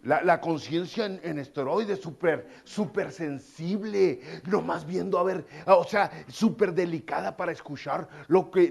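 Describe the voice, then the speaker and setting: A man preaches from the pulpit, and his voice sits a little high for a man. His delivery is conversational, full of colloquial asides and repeated phrases as he builds a point. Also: a little mellow. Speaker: pastor. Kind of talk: sermon.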